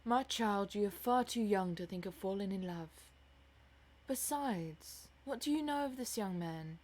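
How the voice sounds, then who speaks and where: A woman's voice: medium pitch, expressive, unhurried, darkish tone. A woman voicing a faded theatrical mother in an audiobook, self-pitying, snobbish and fretful, with an affected manner. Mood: disapproving, fretful. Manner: affected, melodramatic. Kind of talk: audiobook character voice.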